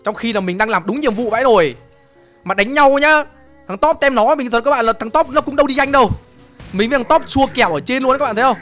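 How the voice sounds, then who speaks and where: A young man giving excitable live gameplay commentary, full of exclamations and brash trash talk aimed at opponents. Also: extremely high pitch, fast, faint music behind. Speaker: gaming streamer.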